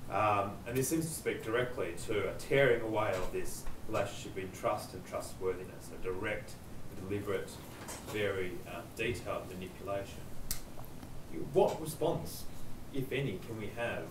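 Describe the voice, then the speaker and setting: A man posing a halting, academic question as an audience member, picked up from a distance in a noisy, echoey room. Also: lowish voice.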